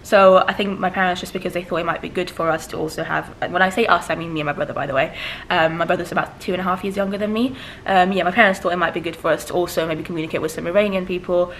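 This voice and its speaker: A woman around thirty with a somewhat low voice talks easily and chattily, tossing in asides and light laughs. She sits close to her camera in a living room and sounds a little stuffy from hay fever. Her first language is Persian. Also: fairly even intonation, rapid-fire, a little hiss or hum. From Switzerland. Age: about 30. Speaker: vlogger. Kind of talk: casual chat to camera. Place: living room with windows open. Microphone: camera placed close.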